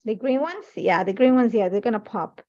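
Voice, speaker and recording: A woman's voice: a little high, expressive, brisk, darkish tone. A middle-aged woman with an Ecuadorian Spanish accent, a native Spanish speaker, chatting casually and thinking aloud as she leads a live crafting demonstration. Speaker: crafting host. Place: crafting desk, overhead camera. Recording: dull lo-fi stream audio.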